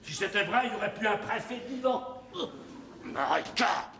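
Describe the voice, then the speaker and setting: A man's voice: sits high, expressive, normal speed, bright, forceful tone, slight background noise. An actor playing a crude, boastful nouveau-riche businessman in a televised 1970s stage comedy. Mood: bossy. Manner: brash, bossy, crude. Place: theatre stage. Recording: roomy stage sound from far off.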